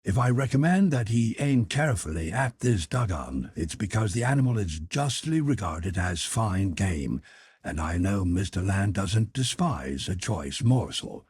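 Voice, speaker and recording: Guy playing a calm commanding captain, formal and polite, slow husky delivery, audiobook. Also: low-pitched, no echo, clean studio sound, exaggerated voice. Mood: measured, assured. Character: composed, courteous, commanding submarine captain.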